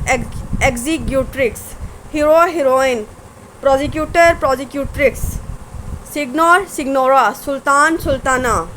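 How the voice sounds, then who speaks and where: A woman with a high voice teaches grammar, switching between Hindi-Urdu explanations and slow, careful readings of rules. She runs through long word lists one pair at a time. A faint hiss of noise sits behind her. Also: fairly bright tone, low-quality recording. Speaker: English teacher. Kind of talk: grammar lesson.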